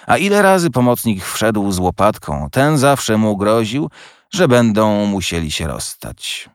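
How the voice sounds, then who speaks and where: A man reading a story aloud as a narrator in an expressive, varied way. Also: lowish voice, dry recording, studio quality. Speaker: audiobook narrator. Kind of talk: scripted narration.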